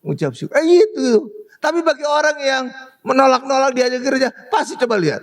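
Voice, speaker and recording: A male pastor preaching a sermon in an animated way, exclaiming and often asking the congregation to agree. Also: extremely high pitch, a little fast.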